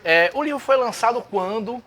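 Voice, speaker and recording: A man hosting a casual interview, eager and prompting with quick interjections. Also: extremely high pitch, lively intonation, a bit bright. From Brazil. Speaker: interviewer host.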